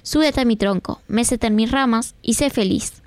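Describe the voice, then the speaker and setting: A woman voicing a gentle, generous old apple tree in a soft, tender tone, on a children's radio story. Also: on the high side, moderate pace, dry recording, natural voice.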